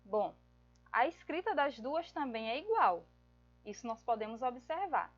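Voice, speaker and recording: A woman's voice: a little high, big pitch swings, a little slow, lo-fi sound, faint music behind. A woman teacher giving a grammar lesson, explaining patiently step by step and checking in with her listeners.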